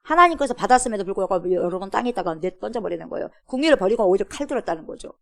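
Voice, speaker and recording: A woman's voice: medium pitch, animated, very fast, creaky. A woman pastor giving a sermon at a church, preaching emphatically and asking the congregation repeated rhetorical questions.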